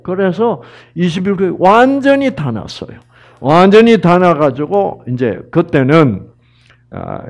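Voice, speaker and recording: Middle-aged guy preaching, slow talker, pitch all over the place, hushes then gets loud. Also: creaky. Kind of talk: sermon with storytelling.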